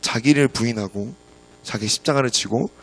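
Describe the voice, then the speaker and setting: A male preacher delivering a sermon, telling a story and often filling pauses with a soft "yes.". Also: medium pitch. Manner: fills pauses with frequent "yes". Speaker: pastor.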